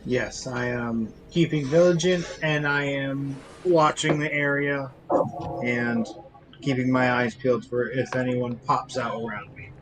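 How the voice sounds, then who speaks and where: A man's voice: mid-range voice, steady tone, a little slow, background noise. A man casually describing his character's actions as a player in a tabletop game.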